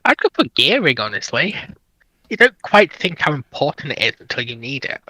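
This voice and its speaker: A man's voice: mid-range voice, big pitch swings, fairly quick, sharp tone, slightly rough, dry recording, poor audio. A man on a panel, chatting casually and giving his opinions. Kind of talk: casual chat.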